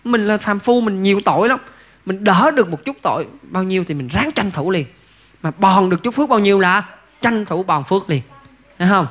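Male monk preaching casually, high and bright, keeps asking "see?". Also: expressive, brisk. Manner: folksy, asks listeners rhetorical questions. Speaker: Buddhist monk teacher. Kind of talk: Buddhist dharma talk answering questions.

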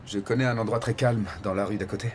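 A man's voice: on the low side, steady tone, fast, slight background noise, lightly acted. An actor dubbing a courteous former army man in his thirties, now a driving instructor, talking in a polite, earnest way. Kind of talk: French dub of a TV film.

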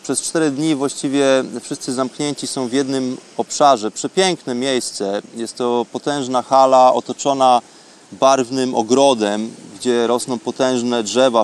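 A man hosting a programme, talking unscripted as in an audio travel diary, with halting, reflective phrasing. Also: medium pitch, a little mellow. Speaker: radio programme host. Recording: faint background ambient noise.

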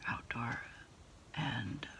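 A middle-aged woman doing a soft, unhurried ASMR roleplay as a takeout order taker on the phone, hesitating and trailing off often. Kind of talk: whispered ASMR roleplay, one-sided phone conversation.

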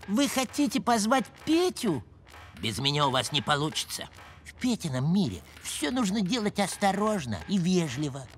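A man's voice: high voice, sing-song, moderate pace, noisy background. A man voicing a small, clever wolf in a cartoon, pleading and reasoning. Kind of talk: animated cartoon acting.

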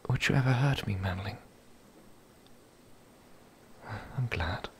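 A man playing a lonely, gentle, shy young werewolf in a whispered ASMR roleplay, speaking breathily, softly and haltingly. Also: slight background noise, close to an everyday voice. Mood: wary, questioning. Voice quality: breathy whisper, low and creaky. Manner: hesitant, halting, soft-spoken.

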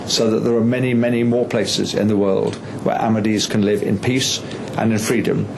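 A man who is a member of parliament giving a formal speech at a reception, measured and often pausing on "uh". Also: lowish voice, flat delivery, vocal fry, noisy background. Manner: measured, with frequent "uh" pauses.

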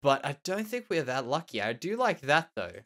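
Nasal Australian man, lively pitch. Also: moderate pace. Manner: musing, self-correcting, repeats words. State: tender voice. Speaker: Minecraft let's play host. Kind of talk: casual gameplay commentary.

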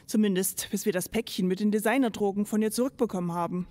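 An actress playing a no-nonsense female police officer in a radio play, brisk and official. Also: medium pitch, fairly even intonation, mellow, dry recording, natural voice. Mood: official, explaining.

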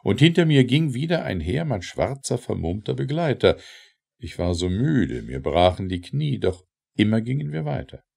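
Male audiobook narrator for satirical verse: low, creaky voice, declamatory and theatrical delivery. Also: very animated, a little mellow. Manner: theatrical, declamatory, measured phrasing with pauses. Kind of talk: dramatic recitation of satirical verse.

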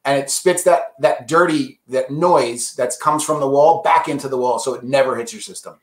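A man's voice: mid-range voice, moderate pace, roomy sound. A man representing an audio brand, casually explaining products in an enthusiastic, salesy way.

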